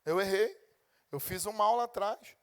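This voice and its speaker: A man's voice: sits high, a little slow, clear, resonant tone. A man preaching a sermon as a pastor with a Brazilian Portuguese accent, acting out God and his congregation in turn. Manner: animated preaching, acting out God and complaining believers.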